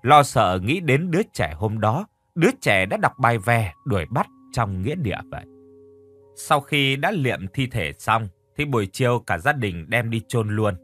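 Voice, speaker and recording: A man narrating a horror audio story in a steady storytelling manner, acting out the characters' lines. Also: mid-range voice, moderate pace, soft background music.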